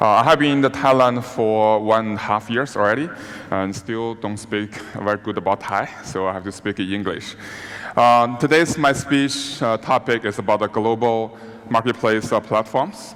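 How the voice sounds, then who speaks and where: Against noticeable background noise, a man of medium pitch speaks at a moderate pace with ordinary pitch variation. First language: Chinese. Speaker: business executive. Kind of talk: conference keynote speech. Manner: halting, many fillers.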